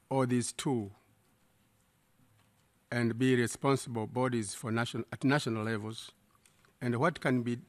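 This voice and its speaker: A man's voice: medium pitch, no room sound. A man from Tanzania speaking for an NGO, asking the panel a formal question with hesitant fillers. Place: conference hall.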